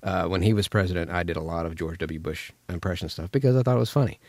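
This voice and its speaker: A man's voice: low voice, quick pace, darkish tone, no room sound, studio quality. A man with an American accent, chatting casually as a voice actor giving a tutorial. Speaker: voice actor teaching impressions.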